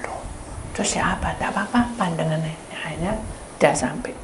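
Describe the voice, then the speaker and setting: A woman's voice: low-pitched, fairly quick. A woman pastor telling a story in a conversational sermon, often turning to her listeners. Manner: animated, conversational, addresses listeners as saudara. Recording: roomy echo with faint background noise.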